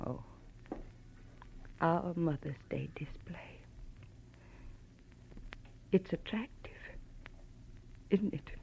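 An actress playing a polite middle-aged grieving mother, gentle and restrained, in a 1940s radio drama. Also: on the low side, very slow, vocal fry, pauses often, whispered, lo-fi sound, full character voice. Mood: subdued, anxious. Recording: noisy old radio recording.

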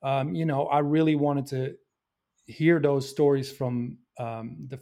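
A man from Belgium answers questions about his film in a mid-range voice. He talks earnestly and thoughtfully, often pausing with fillers and restarting his sentences. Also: medium pitch, fairly even intonation, dark tone. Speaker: filmmaker. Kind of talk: interview answers.

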